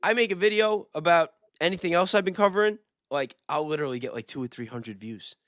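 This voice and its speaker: A man hosting a casual livestream chat, talking excitedly and repeating phrases for emphasis. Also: fairly high pitch, fast talker, no room sound, clean studio sound. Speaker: livestream host with a small channel.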